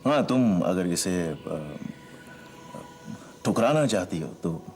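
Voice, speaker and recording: A man's voice: deep voice, sing-song, noisy background, heavily acted. An actor playing a hesitant young man confessing his love, in a TV serial drama. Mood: tender, hesitant. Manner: halting, tender.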